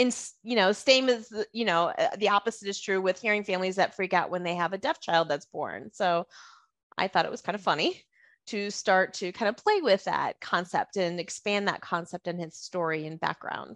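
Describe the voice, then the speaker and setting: A woman with a normal speaking voice talks at a moderate pace, at medium pitch with ordinary variation. The sound is dry and close with no echo, and the background is quiet. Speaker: author. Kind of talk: casual chat.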